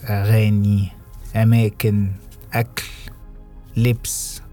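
A young Egyptian man co-hosting a podcast, talking reflectively with halting restarts and English phrases mixed in. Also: lowish voice, level tone, mellow, faint music behind. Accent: Egyptian Arabic. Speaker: podcast co-host. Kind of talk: casual podcast conversation.

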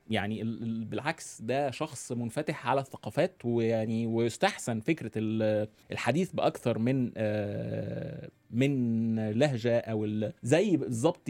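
A man from Egypt with a Cairene Egyptian Arabic accent, a journalist guest on an interview podcast who pauses and restarts as he thinks. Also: mid-range voice, mellow. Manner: thoughtful, many hesitations and restarts. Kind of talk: conversational interview. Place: radio studio.

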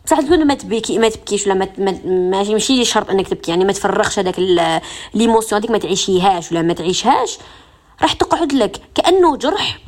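A woman's voice: medium pitch, expressive, racing. A young woman with an Algerian accent hosting a radio self-help show, speaking earnestly, repeating phrases for emphasis and slipping French and English words into her talk. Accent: Algerian Arabic.

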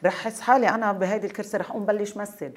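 Quick, direct Lebanese woman interviewer. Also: medium pitch, fairly even intonation. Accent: Lebanese Arabic. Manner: direct, pressing, interjects short prompts. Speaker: television interviewer. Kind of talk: conversational celebrity interview.

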